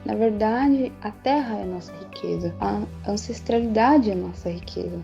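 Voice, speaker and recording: A woman's voice: medium pitch, moderate pace, creaky, warm tone, faint music behind. A Brazilian woman talking reflectively as an interviewee, on muffled audio.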